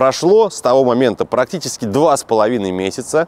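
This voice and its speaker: A man's voice at a moderate pace, dry sound with no echo. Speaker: video blogger host. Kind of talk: casual vlog chat. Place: street. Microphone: lapel.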